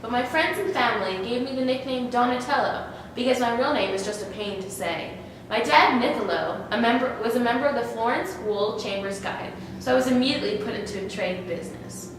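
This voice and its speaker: A woman's voice: a little high, a little fast, natural voice. A woman playing a friendly, self-assured male Renaissance sculptor, speaking plainly in a school-style historical skit. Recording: echoey hall from far off, noisy.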